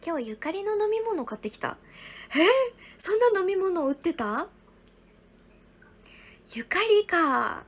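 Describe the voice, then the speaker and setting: High-voiced young woman, soft and whispery. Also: big pitch swings, a little slow, long pauses. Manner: soft, often whispery, thanking viewers one by one. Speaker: livestream host. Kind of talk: casual livestream chat reading viewer gifts.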